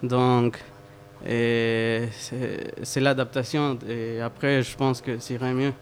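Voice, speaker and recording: Halting young man, flat pitch. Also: a little hiss or hum. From Mexico. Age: 20s. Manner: halting, repeats words while searching. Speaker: student guest. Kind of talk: casual interview answers.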